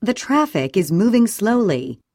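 A woman reading short English sentences slowly and clearly for a listening and repetition drill. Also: medium pitch, dry recording, studio quality. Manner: clear, even, deliberate reading. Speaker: English audio reader.

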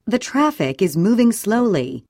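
A woman reading short English sentences slowly and clearly for a listening and repetition drill. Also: mid-range voice, no room sound, clean studio sound. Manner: clear, even, deliberate reading. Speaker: English audio reader.

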